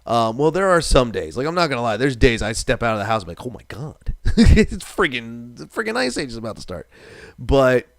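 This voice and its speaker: A man's voice: medium pitch, no room sound, clean studio sound. A man in his thirties from New England, hosting a live stream in casual, rambling chat, swearing now and then and reading viewer comments aloud.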